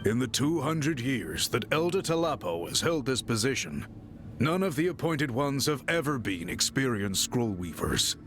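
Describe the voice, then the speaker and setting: An actor playing a thoughtful, courteous male tribal chief in a video game, speaking in formal, measured phrases. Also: mid-range voice, very animated, a bit bright, slight background noise. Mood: matter-of-fact. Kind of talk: scripted video game dialogue. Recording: background music under the voice.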